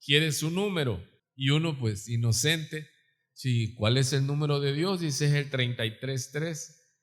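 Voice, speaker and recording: A man's voice: fairly high pitch, a little slow. A man, a pastor, preaching a live Sunday sermon and building to fervent emphasis, calling his listeners brother. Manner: rising to fervent preaching, stressing words; addresses listeners as "hermano". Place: church sanctuary. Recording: live church recording with long reverb.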